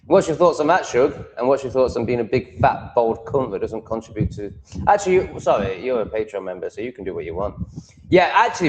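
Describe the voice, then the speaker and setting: A man hosting a livestream in a blunt, profane, mocking manner. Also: mid-range voice. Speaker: livestream host. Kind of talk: casual livestream rant. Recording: long reverb, faint noise.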